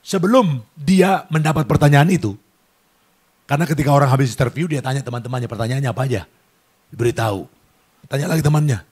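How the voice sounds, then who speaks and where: A man's voice: mid-range voice, quick pace, long pauses, a little mellow, slightly rough. A male pastor preaching a sermon in a church, telling stories dramatically and acting out the people in them.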